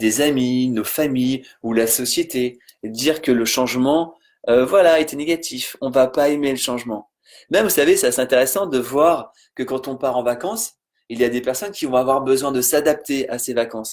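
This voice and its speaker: Recorded very cleanly with a silent background, the man has an unremarkable speaking voice at medium pitch, a moderate pace and ordinary pitch variation. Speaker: life coach. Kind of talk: live stream Q&A and motivational talk. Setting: live video stream from home during lockdown.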